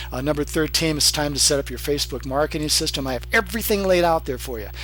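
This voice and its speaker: Background music under a man's fairly quick speech. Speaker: online marketing trainer. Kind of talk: tutorial. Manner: fast; animated.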